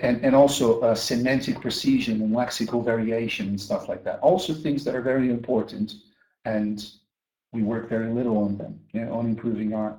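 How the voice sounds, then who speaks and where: A man from Brazil training teachers in a lively conference talk, often asking the audience questions and repeating words as he restarts. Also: mid-range voice. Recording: echoey room.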